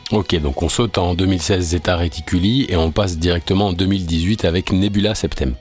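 A man's voice: deep voice, fairly even intonation, brisk, a little mellow, husky, soft background music. A male interviewer briefly announcing the next topic and asking questions. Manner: brief, to the point.

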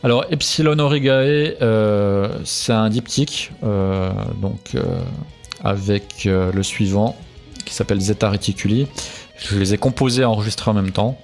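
Low gravelly man, hesitant interview talk. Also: normal speed, a little mellow, soft background music. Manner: hesitant, many fillers and restarts. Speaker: musician guest.

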